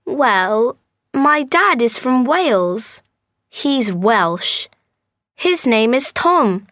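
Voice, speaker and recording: A woman speaking scripted textbook dialogue slowly and carefully. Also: a little high, sing-song, a bit bright, dry recording, clean studio sound. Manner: slow, careful speech.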